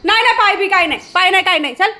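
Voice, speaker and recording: A woman, talking casually at home and loudly scolding and calling to her pet dog. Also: extremely high pitch, racing. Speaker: pet vlogger. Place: home, indoors. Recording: echoey room, faint background noise.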